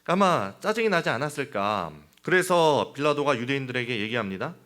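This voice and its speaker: A man's voice: medium pitch, lively intonation, fairly quick, fairly bright tone. A man preaching a midweek sermon, talking in a conversational way with rhetorical questions and small fillers. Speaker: pastor.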